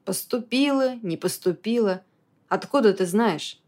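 A woman voicing a grieving young man in an audiobook, low, hoarse and flat with weariness. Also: a little slow, natural voice. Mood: weary. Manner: flat, tired, subdued. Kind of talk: audiobook character voice.

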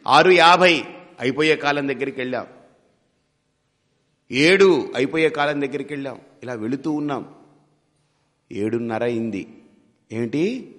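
Man, spiritual teacher, animated discourse, rhetorical questions, long reverb of a large hall. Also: medium pitch, a little slow, long pauses. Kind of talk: devotional discourse.

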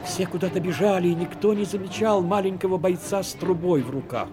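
A man narrating a Soviet war radio drama in a dramatic, measured literary storytelling manner. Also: high voice, music in the background.

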